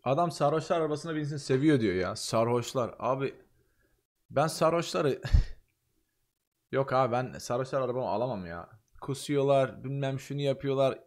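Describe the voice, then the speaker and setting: A man's voice: mid-range voice, normal speed. A young man streaming live, reacting to a video with joking, laughing asides. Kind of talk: casual live-stream commentary.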